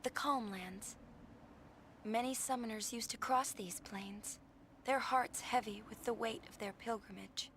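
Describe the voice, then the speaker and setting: A wistful young former summoner in a video game, her voice sitting a touch high. She speaks softly and reflectively. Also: a little slow, slight background noise. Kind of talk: dubbed video game dialogue.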